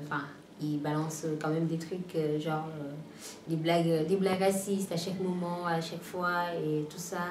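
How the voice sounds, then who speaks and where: A teenage woman from Cameroon with a Cameroonian French accent, giving a halting personal testimony and searching for words. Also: fairly low pitch. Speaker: interviewee. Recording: roomy, distant mic, faint background noise.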